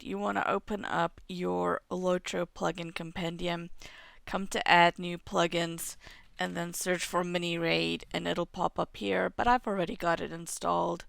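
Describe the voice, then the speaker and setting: A woman's voice: on the low side, no echo. Woman with a cough explaining gaming steps. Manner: steady step-by-step explaining, clears throat now and then. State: has a cough. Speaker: game tutorial host. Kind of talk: screen-recorded game tutorial. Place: home room. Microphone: headset mic.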